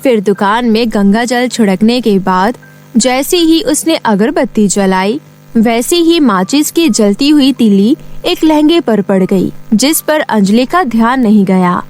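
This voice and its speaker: Female storyteller, high register, scripted moral-tale narration with music underneath. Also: unhurried, darkish tone. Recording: music behind the voice.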